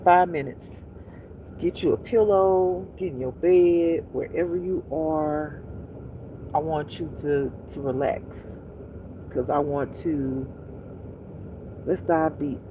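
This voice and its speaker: Slow, soothing pillow-talk host over background noise. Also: medium pitch. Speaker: livestream host. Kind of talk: slow, intimate pillow-talk livestream, guiding listeners to relax.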